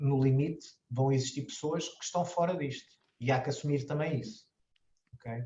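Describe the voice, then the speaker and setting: Pausing long and often, a man speaks with a fairly high pitch, fairly even intonation and a somewhat breathy voice. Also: moderate pace. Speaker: company director and university lecturer. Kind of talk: conference Q&A. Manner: halting, many fillers and repetitions.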